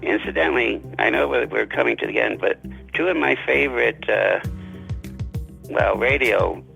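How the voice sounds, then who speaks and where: A man's voice: mid-range voice, moderate pace, creaky, bright, forceful tone, lo-fi sound, soft background music. A man being interviewed as an author, conversational and courteous, with formal turns of phrase and a self-deprecating manner.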